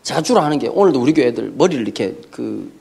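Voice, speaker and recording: A man pastor giving a humorous sermon lecture in a church, talking in an animated, comic way and acting out the voices he quotes. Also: mid-range voice, quick pace, vocal fry. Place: church sanctuary.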